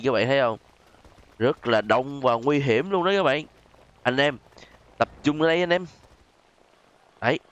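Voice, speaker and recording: A man's voice: medium pitch, no room sound, highs cut off. Southern Vietnamese man doing game commentary. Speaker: gaming video host. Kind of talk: casual gameplay commentary addressed to viewers.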